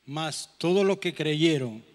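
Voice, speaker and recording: A man's voice: fairly high pitch, slow pace. A native Spanish-speaking man from the congregation, mixing Portuguese and Spanish as he answers in a Bible class. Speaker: church member. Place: church hall. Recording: long reverb in a church hall.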